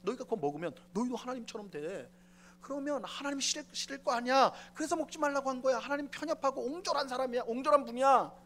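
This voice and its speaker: A man's voice: extremely high pitch, lively intonation, fast talker, fairly bright tone, slight background noise, pitched above the performer's own voice. A man voicing a sly male devil who mocks and goads a listener to give in, pushing harder with each line. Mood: scornful. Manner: mocking, goading, insistent.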